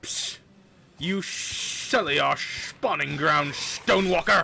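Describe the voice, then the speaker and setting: In a put-on character voice, a man hisses at a fairly slow pace, his pitch fairly high. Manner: menacing.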